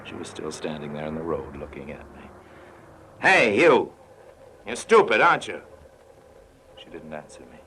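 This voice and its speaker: A wry, confiding con-man narrator, bottomless low voice, old radio feel with light hiss. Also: expressive, normal speed, pauses often, pushed and bright, full character voice. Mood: brusque. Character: suave cynical male con-man smuggler narrating. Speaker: narrator and lead character. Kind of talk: 1950s radio drama acting.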